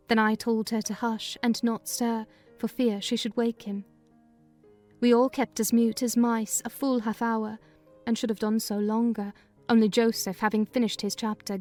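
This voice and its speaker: A woman narrating a dramatized audiobook reading in a measured storytelling manner. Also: fairly high pitch, a little mellow.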